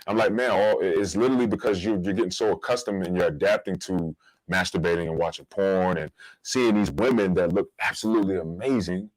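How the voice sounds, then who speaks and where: A man's voice: deep voice, a little fast, no echo, low-quality recording. An American man hosting a podcast, talking casually in informal slang as he shares personal stories and advice. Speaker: podcast host.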